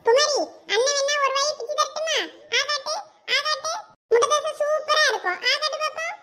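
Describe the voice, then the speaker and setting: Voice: extremely high pitch, brisk, bright, forceful tone. A voice actor playing a teasing, gloating boy in a cartoon, with a Thoothukudi Tamil accent. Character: teasing boy, the favored son. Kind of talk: cartoon voice acting.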